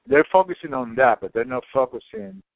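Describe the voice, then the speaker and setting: Gravelly man on a tinny line. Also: mid-range voice, moderate pace, dry recording. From Cuba. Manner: animated storytelling, swearing, many fillers. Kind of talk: casual chat.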